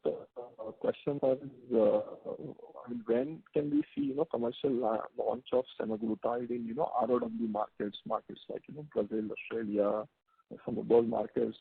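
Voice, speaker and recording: Guy asking polite questions over a thin phone line, creaky voice, stumbles and repeats words. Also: mid-range voice, no room sound. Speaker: investor analyst asking questions. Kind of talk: earnings call questioning. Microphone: phone handset. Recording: tinny narrow phone line.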